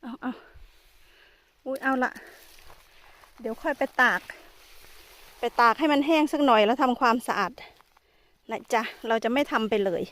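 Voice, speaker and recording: A woman's voice: on the high side, moderate pace, long pauses, a bit bright. A woman with an Isan Thai accent chatting casually as she vlogs outdoors in a forest, exclaiming often. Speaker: vlogger. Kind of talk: casual vlog narration.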